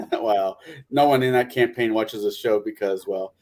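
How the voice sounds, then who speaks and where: Slow-talking man in casual, rambling chat. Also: fairly low pitch, darkish tone. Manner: rambling, halting, stumbles and corrects himself. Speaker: game master and panelist on a tabletop gaming show.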